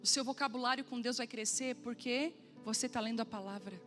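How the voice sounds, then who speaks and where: A woman pastor preaching a sermon, telling a funny personal story and acting out the dialogue with lively humor. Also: a little high, a little fast, faint music behind.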